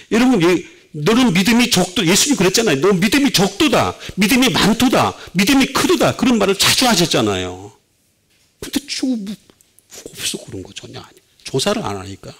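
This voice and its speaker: A middle-aged male pastor preaching a sermon, with sudden swings between loud and soft. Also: high-pitched, gravelly.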